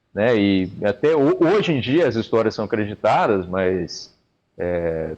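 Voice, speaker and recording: Over a quiet background, a man speaks at a fairly low pitch. His pace is fairly slow and his intonation lively. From São Paulo countryside, Brazil. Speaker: YouTuber, pop culture guest. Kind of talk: casual interview chat.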